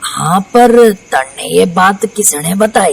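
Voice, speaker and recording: A woman puts on a character voice at medium pitch. Her intonation is lively. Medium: audio drama. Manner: prying, folksy.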